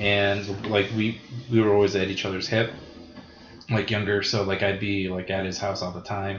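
A man's fairly low voice at a moderate pace, monotone and flat, with audible room echo. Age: 30s. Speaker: wrestling promoter and wrestler. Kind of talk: casual chat.

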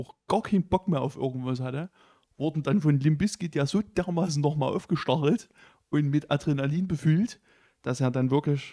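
In an eastern German accent, a man with fairly high pitch and a dark, mellow tone speaks at a moderate pace with ordinary pitch variation, in a dry, close sound with no echo. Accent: regional eastern German. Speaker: podcast co-host. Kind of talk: casual chat. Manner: matter-of-fact, to the point.

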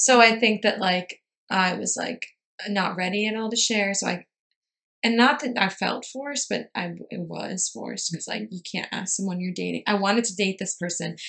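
A woman speaks in an ordinary speaking voice. Her medium pitch, ordinary pitch variation and moderate pace stay consistent. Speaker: podcast host. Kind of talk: casual chat. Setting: Annapolis bedroom, in person.

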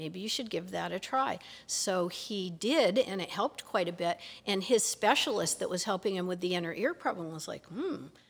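Using a plain, everyday voice, a woman talks at a medium pitch and a moderate pace with lively intonation. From California (Pacifica), born in Maine. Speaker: political candidate, retired school teacher. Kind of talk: interview.

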